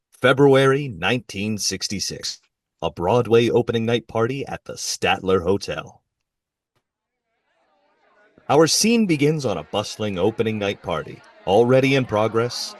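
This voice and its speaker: Low, husky male narrator. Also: no echo. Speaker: narrator reading stage directions. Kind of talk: scripted narration.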